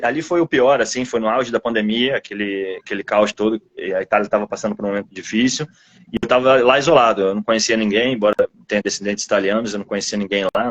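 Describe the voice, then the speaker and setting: Brazilian male author in casual interview: lowish voice, reflective and halting delivery, muffled lo-fi recording. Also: fairly bright tone. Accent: Brazilian Portuguese. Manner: reflective, halting, rambling with repeated phrases. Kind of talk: casual live interview, personal anecdotes.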